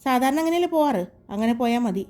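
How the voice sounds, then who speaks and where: A woman's voice: on the high side, lively intonation, quick pace, a little mellow, soft background music, close to an everyday voice. A woman voicing a sulky young man who answers curtly and dismissively, in a story reading. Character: sulky offhand young husband.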